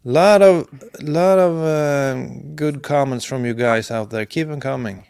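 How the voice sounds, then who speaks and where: A man from Sweden hosts a casual live podcast with a gravelly, fry-edged voice, recorded close and dry. He rambles and lets his sentences fade into quiet asides. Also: medium pitch, a little slow, no echo. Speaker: podcast host.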